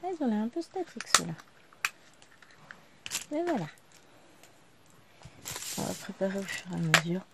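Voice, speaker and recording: A woman's voice: mid-range voice, very animated, measured pace, creaky, long pauses, very noisy. A woman in her thirties, a vlogger chatting casually to the camera while she works on a craft at home. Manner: chatty, talking quietly to the camera while working. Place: living room at home.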